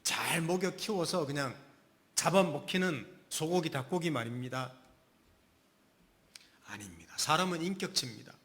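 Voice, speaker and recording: A man's voice: a little high, animated, normal speed, long pauses, fairly bright tone. A middle-aged man, a pastor, delivering a sermon with emphatic rhetorical questions to his congregation.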